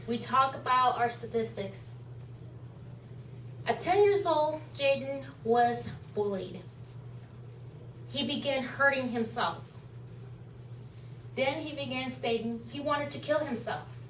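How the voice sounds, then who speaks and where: A woman's voice: high voice, slight background noise. A woman whose first language is Spanish, giving an earnest, impassioned charity talk to a club. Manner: earnest, impassioned, repeats phrases. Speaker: charity speaker. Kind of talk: club presentation speech. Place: meeting room. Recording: echoey room from far off.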